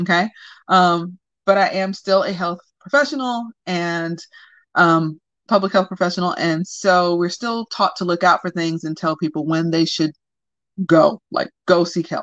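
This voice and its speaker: In a Southern US accent, a woman speaks at a fairly slow pace and a fairly low pitch with ordinary pitch variation, the sound dry and close with no echo against a quiet background. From US South. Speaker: radio host. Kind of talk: casual chat.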